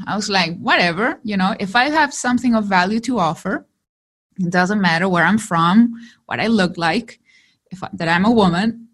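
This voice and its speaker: A woman from Chile whose first language is Spanish, a digital marketer telling her story in a lively interview and laughing often. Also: mid-range voice. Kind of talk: conversational interview.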